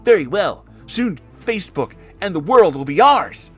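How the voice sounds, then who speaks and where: A man's voice: medium pitch, expressive, normal speed, faint music behind, close to an everyday voice. A man voicing an eager, scheming young male tech founder in a raised, melodramatic tone. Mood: excited.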